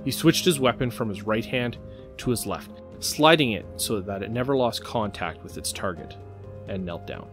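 A man's voice: fairly low pitch, animated, normal speed, fairly bright tone. A man narrating a scripted audio drama story. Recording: music behind the narration.

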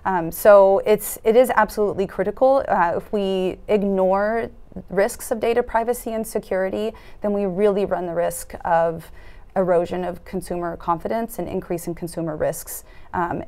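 A woman in her thirties giving earnest interview answers in a studio, often pausing with fillers and restarting her sentences. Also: medium pitch, creaky, darkish tone. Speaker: foundation program officer, interviewee. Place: dark studio set at a conference.

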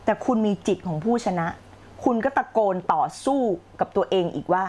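A middle-aged woman coaching on a live stream, blunt and slangy, acting out her past self with shouted outbursts. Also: mid-range voice, expressive, normal speed. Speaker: life coach. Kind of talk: live-streamed motivational talk.

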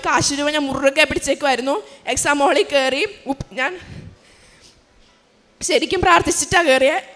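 A woman's voice: high-pitched, fairly bright tone. A young woman, a nursing student, giving an earnest and emotional personal religious testimony. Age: young adult. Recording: long hall reverb.

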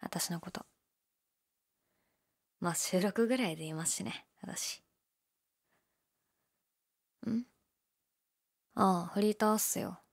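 A young woman playing a laid-back, shyly candid gyaru convenience-store clerk in an audio drama, with a breathy, hesitant, mumbled delivery. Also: slow pace, pauses often. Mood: low-key, candid. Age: young adult. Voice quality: low, breathy. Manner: listless, hesitant, mumbled casual polite speech. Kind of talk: male-oriented situation voice drama, casual chat.

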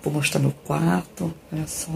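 A woman's voice: low-pitched, fairly even intonation, moderate pace, gravelly. A middle-aged woman with a Brazilian accent chatting casually to her viewers in a rambling way, recorded on a phone at home. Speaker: vlogger. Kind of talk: casual chat to camera. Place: small rooms at home, indoors. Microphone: phone at arm's length. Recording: noisy handheld home recording.

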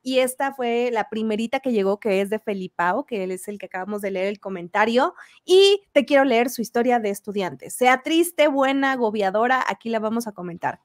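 A woman's voice: on the high side, brisk, no echo, clean studio sound. A young woman hosting a live stream, talking in a friendly way to viewers. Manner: friendly, lively, addressing viewers. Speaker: engineering YouTuber and host. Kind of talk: casual live chat, reading messages aloud. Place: home studio. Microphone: studio mic in front.

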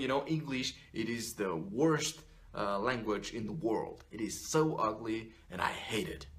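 A man's voice: on the low side, a bit bright. A man in his thirties, an image consultant, talking straight to camera in an unscripted, blunt and profane vlog, full of restarts and "you know". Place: small furnished room indoors.

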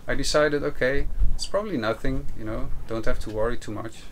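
A man in his forties telling stories in an unscripted interview, speaking in a measured, halting way with pauses. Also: mid-range voice. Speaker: interview guest, experienced solo sailor. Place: outdoors in a sailboat cockpit at anchor. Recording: noisy outdoor ambience.

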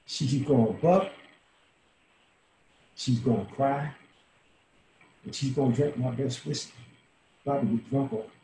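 A man's voice: medium pitch, measured pace, creaky, pauses often, warm tone. An actor in his sixties playing a dying, world-weary old bar owner in a folksy, salty, intimate dramatic monologue. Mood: wistful, resolute. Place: small room at home, indoors. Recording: roomy home webcam audio, faint hiss.

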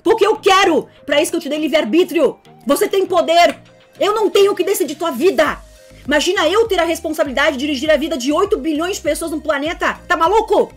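God scolding loudly, as a woman puts him on. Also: very high voice, lively intonation, fast talker, soft background music, voice pushed up. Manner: emphatic, rising and loud. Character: God scolding, forceful and commanding.

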